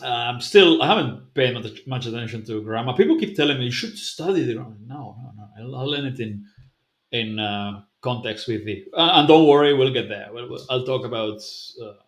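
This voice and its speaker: A man's voice: mid-range voice, lively intonation, normal speed. Man vlogging in an echoey room. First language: Basque. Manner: conversational, musing, loose explanations. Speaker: language-learning vlogger. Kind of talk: casual vlog, thinking aloud to camera. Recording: roomy echoing room.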